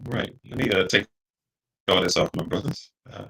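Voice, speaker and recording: A man with a gravelly, bright voice comes through a glitchy online connection full of static. His speech keeps speeding up and slowing down. He rambles in a reflective, casual way and calls his listeners brothers and friends. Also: low-pitched, low-quality recording. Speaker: livestream co-host. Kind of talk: casual chat.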